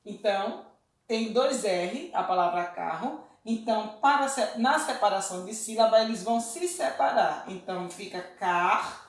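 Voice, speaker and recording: A woman's voice: medium pitch, animated, moderate pace. A woman teacher giving a recorded lesson, explaining rules patiently and often checking that her students follow. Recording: roomy echo.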